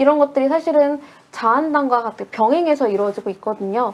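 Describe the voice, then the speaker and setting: This woman's voice sits high in pitch, with lively intonation. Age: 20s. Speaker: parliamentary candidate; candidate. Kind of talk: interview. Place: studio.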